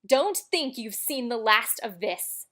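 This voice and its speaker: Woman playing a haughty, high-voiced college villainess. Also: lively intonation, slow, sharp tone, exaggerated voice. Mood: scornful. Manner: imperious, scornful. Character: haughty, threatening female college official. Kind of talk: audio drama acting.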